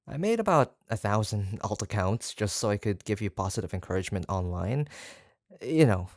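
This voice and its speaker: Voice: low voice, gravelly, no room sound, clean studio sound. A performer playing an obsessive, lovestruck yandere kidnapper in a roleplay audio drama, hesitant and rambling as they dote on the listener. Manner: hesitant, rambling, soft-spoken menace with nervous chuckles.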